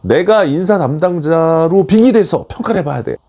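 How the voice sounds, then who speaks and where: A man's voice: on the high side, lively intonation, moderate pace, dark tone. A man giving an online lecture as a job application coach, emphatic and urging, often switching into blunt casual speech.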